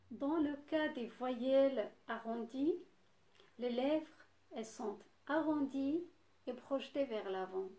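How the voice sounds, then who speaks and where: A woman lecturing on phonetics, talking slowly and deliberately and pausing to list examples. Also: on the high side, dark tone. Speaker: university lecturer. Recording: echoey room.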